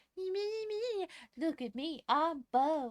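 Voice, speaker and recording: This is a put-on character voice with a Southern accent. It sounds high and squeaky. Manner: mocking.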